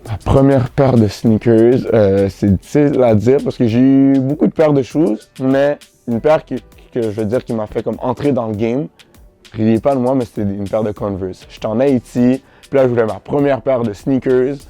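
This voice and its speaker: A young man with a Québécois French accent, answering interview questions in a relaxed, slangy way, often restarting his sentences. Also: mid-range voice, normal speed, soft background music. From Montreal, Canada. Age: teens. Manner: relaxed, slangy, repeats himself with many restarts. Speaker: boutique founder, interviewee.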